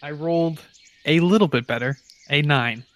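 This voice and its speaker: A man's voice: on the high side, normal speed, fairly bright tone, a little hiss or hum. Casual man telling a game story. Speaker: player in a tabletop roleplaying game.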